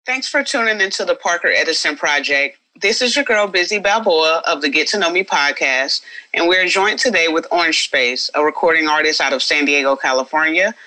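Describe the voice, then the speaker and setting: A woman's voice: low voice, a little fast, bright, forceful tone, low-quality recording. A woman from Georgia who hosts a podcast, giving an upbeat introduction. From Valdosta, Georgia. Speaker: podcast host.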